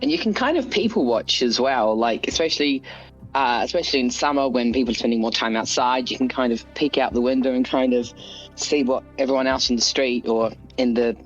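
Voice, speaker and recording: Relaxed man from New Zealand. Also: medium pitch, fairly quick, dull audio, soft background music. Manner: relaxed, hesitant with fillers. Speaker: guest author. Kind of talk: casual interview chat.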